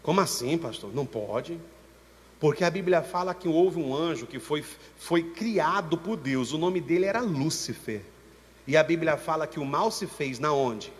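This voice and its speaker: A Brazilian man with a Brazilian Portuguese accent, preaching a sermon as pastor at a church service with impassioned, slow, emphatic repetition. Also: on the high side, lively intonation. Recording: church reverb with long echo tail.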